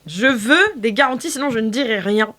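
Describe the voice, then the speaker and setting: A woman's voice: fairly high pitch, fairly quick, a bit bright, natural voice. A woman playing a cornered potion maker in an improvised role-play, hesitant and defensive as she bargains for her life. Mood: guarded.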